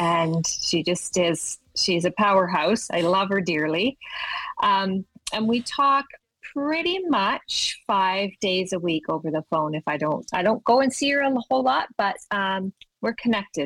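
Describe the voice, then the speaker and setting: A woman's plain, everyday voice with a Canadian accent, fairly slow and lively in intonation, in a dry, close sound with no echo. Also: medium pitch for a woman. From Ontario, Canada. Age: middle-aged. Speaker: life coach. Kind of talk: interview.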